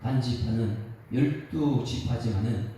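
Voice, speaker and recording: A man's voice: mid-range voice, a little slow, dark tone, slight background noise. A male pastor preaching an emphatic dawn sermon, asking the congregation questions and at times breaking into song. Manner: emphatic, rhetorical questions to the congregation, sings a line. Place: church sanctuary. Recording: echoey church hall from a distance, faint ambience.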